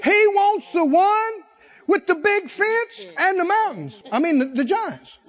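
A man's voice: extremely high pitch, big pitch swings, measured pace, lo-fi sound, a faint crowd. A man preaching a sermon in a church, telling the story in a folksy way and calling for responses from the congregation. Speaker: pastor.

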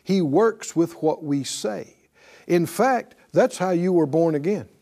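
A man preaching to his congregation, his high voice leaping up and down with lively swings of pitch. He takes his time, hammering phrases through repetition and calling for the crowd to answer back. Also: slow pace. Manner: exhorting, call-and-response with congregation; repeats phrases for emphasis. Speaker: pastor. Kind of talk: sermon.

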